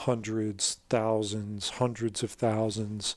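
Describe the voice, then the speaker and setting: At a very slow pace, a man speaks in a monotone, flat intonation at a medium pitch. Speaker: podcast host being interviewed. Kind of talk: casual interview.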